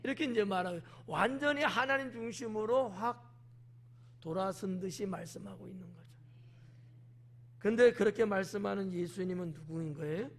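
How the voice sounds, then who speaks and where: A man's voice: high-pitched, normal speed, a little hiss or hum. A middle-aged male pastor giving a weekday morning sermon, explaining a passage in a conversational way and acting out the quoted lines. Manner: conversational preaching with acted quotations.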